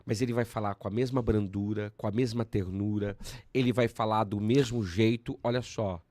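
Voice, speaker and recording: A Brazilian man, a pastor, teaching in conversation, switching between emphatic bursts and calm explanation. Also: lowish voice, moderate pace, no echo. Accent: Brazilian Portuguese.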